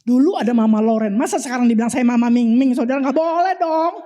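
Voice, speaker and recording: Woman preacher, Indonesian accent, animated sermon, higher voice, mellow tone. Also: fast. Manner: animated, repeatedly addressing the congregation. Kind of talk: sermon with testimony and prophecy.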